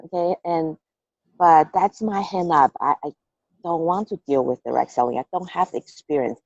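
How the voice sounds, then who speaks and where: A woman's voice: low voice, normal speed, vocal fry, darkish tone, no echo. A woman from Taiwan being interviewed on a team call, telling her story candidly with hesitant restarts and frequent "okay" fillers. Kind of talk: casual interview. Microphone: call recording. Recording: dull lo-fi call audio.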